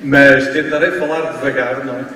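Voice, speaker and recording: A man from Portugal with a European Portuguese accent, giving a university lecture in a slow, emphatic way, often adding tag questions. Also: mid-range voice, little pitch movement, sharp tone, slight background noise. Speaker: guest lecturer. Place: large lecture hall. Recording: distant, echoey hall recording with faint ambience.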